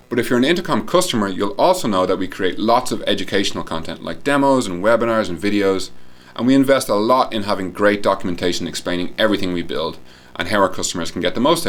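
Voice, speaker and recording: A man presenting a prepared talk as a conference speaker, explaining points clearly with emphasis and rhetorical questions. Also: fairly low pitch, fairly bright tone. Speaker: conference speaker, company employee.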